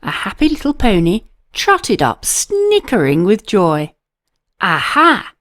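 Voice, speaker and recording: A woman narrating a children's story in a dramatic read-aloud style with emphatic pauses. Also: mid-range voice, wildly swooping pitch, no room sound, clean studio sound.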